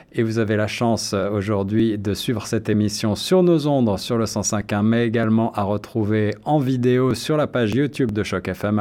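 A man's voice: medium pitch, darkish tone. A man hosting a radio interview in a studio, friendly, with frequent hesitations and restarts. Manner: friendly, many fillers and restarts. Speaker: radio host.

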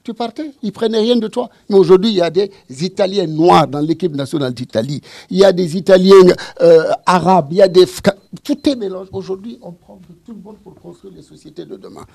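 A man's voice: high voice, a little fast, vocal fry, hardly any pauses, darkish tone, no room sound, studio quality. A man arguing his side in a formal debate, impassioned and emphatic, often repeating himself for force. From French-speaking, living in Toronto.

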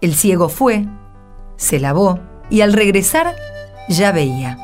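A woman's voice: mid-range voice, big pitch swings, slow pace, a little mellow. A woman narrating a dramatized radio story from a script. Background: music.

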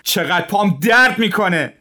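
A man's voice: a little high, big pitch swings, pitched above the performer's own voice. A man voicing a weak, timid officer who whines and pleads. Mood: pained. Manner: whining, pleading. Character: weak, timid, complaining male Russian officer.

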